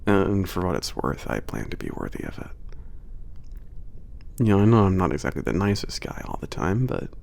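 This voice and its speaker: Man acting as big sardonic werewolf trainer, low growly fry, lively swooping intonation, gruff yet caring, teasing, casual ASMR roleplay. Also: heavily acted. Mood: sincere, softer. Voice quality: very low, gravelly voice. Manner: casual, sardonic, hesitant pauses, frequent chuckles and swearing. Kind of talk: ASMR roleplay audio drama.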